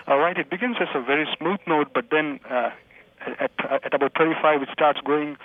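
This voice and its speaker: A man's voice: a little high, moderate pace, dry recording. A polite young man with an Indian accent calling in to a radio show, describing his car carefully with some hesitation. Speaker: caller. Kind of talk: phone call to radio show. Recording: tinny phone line.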